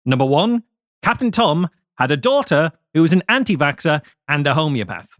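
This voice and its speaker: A man tells a researched story with dry, wry timing. His voice sits fairly high and moves a lot. The close mic gives a dead, roomless sound. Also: big pitch swings, normal speed, no echo. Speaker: podcast co-host. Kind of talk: scripted storytelling in podcast chat.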